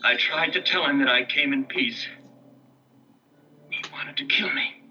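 An actor playing a wounded male stranger, weary and pleading, in earnest, soft 1960s TV drama acting, heard through dull old TV audio with faint hiss. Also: mid-range voice, measured pace, distant mic.

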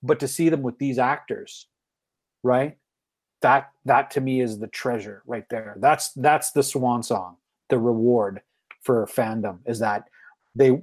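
A man in his forties talking casually as a podcast guest. His voice sits in a middle pitch, and he rambles eagerly, often restarting his sentences. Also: a little mellow. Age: 40s. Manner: enthusiastic, rambling, many restarts.

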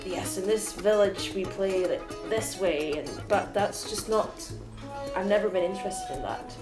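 A young woman folk musician from Sweden, raised in Norway, thoughtfully explaining her views on music. Her voice rings in a roomy space, and folk music plays clearly behind her. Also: mid-range voice, measured pace. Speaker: folk musician, mandola player. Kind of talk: casual interview talk.

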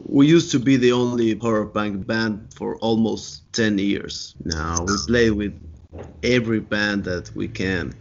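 A man's voice: fairly low pitch, a little slow, creaky, slight background noise. A man chatting casually as a guest musician in easy banter. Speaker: guest horror punk musician. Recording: dull lo-fi mic.

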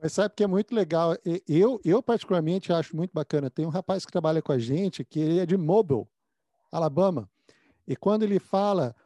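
A man's voice: a little high, fairly quick, mellow, dry recording. A man interviewing a guest over a call, answering with short affirmations and easy laughs. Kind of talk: casual remote interview.

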